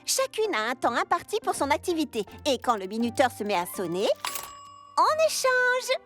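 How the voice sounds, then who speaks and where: A woman voicing a cheerful, optimistic young girl baker in a French cartoon dub, bubbly and expressive. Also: sits high, normal speed, faint music behind, exaggerated voice. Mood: enthusiastic.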